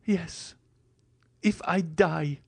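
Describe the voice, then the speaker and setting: A man's voice: fairly high pitch, extremely slow, vocal fry, heavily acted. A man reading a novel aloud, voicing a desperate young woman who pleads and cries out. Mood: pleading.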